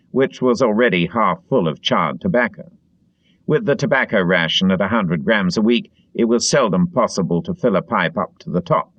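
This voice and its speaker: A man reading literary narration as an audiobook narrator, in a dramatic, expressive way. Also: lowish voice, no room sound, muffled recording.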